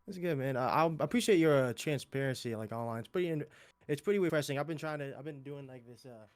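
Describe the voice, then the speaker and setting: A man on a casual call who talks quickly and asks chatty, upbeat questions. He uses lots of fillers, and his pitch sits in the middle. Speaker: caller.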